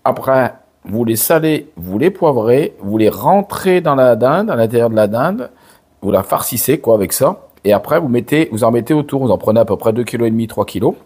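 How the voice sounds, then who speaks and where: An older man, hoarse from a cold, chatting slowly to camera with many hesitations and restarts. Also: medium pitch, lively intonation, a little mellow. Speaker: father and channel host. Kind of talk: casual direct-to-camera chat.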